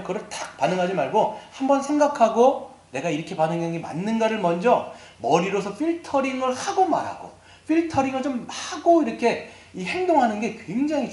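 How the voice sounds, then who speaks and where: Male pastor, sermon delivery, high pitch, lively, reverberant church room. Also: a little fast. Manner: lively and animated, acting out quoted attitudes. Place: church sanctuary. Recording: echoey church hall.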